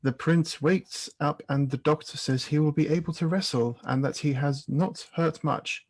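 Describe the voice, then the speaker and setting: A man's voice: on the high side, moderate pace, a little mellow. A man reading scripted scene-setting narration as the narrator of a staged reading.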